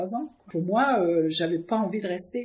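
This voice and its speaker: A woman's fairly low, somewhat breathy voice with a dark, mellow tone and ordinary pitch variation. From Canada (English-speaking), then France from childhood. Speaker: artist. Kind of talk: interview, life story. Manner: hesitant, many fillers.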